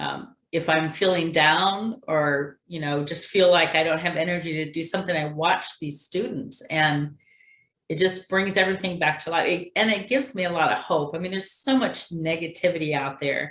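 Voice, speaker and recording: A woman uses a normal speaking voice, fairly low in pitch, at a moderate pace with ordinary pitch variation. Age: 60s. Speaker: event host, former call center manager. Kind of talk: casual chat.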